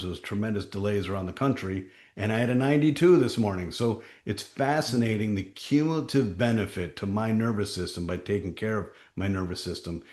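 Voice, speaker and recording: A man with a deep voice hosting a town hall as a company chief, telling stories with emphatic, punchy short phrases. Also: darkish tone. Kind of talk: conversational town-hall talk with anecdotes.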